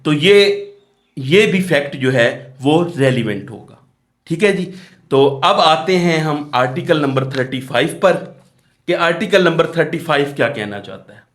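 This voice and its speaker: Male law lecturer, South Asian accent. Unhurried, drawn-out pace, slightly high pitch, teaches by reading and restating, posing questions and answering them. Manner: explanatory, repetitive, asks and answers own questions. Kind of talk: exam lecture, reading statute in English and explaining it.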